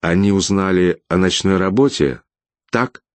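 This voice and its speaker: A man reading an audiobook, voicing a worried, tired young wife who speaks quietly and pleadingly. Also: low-pitched, a little slow, dry recording. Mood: anxious.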